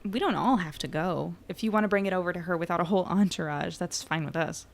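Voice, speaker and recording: A woman's voice: fairly low pitch, fast talker, creaky. A woman playing a defiant, protective monster investigator, firm and assertive, in a naturalistic audio drama. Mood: reassuring.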